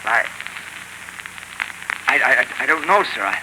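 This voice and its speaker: A stammering, dazed young lieutenant. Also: male voice, mid-range voice, very animated, measured pace. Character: dazed young male army lieutenant in a trance. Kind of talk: 1930s radio drama acting. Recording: hissy 1930s radio broadcast recording.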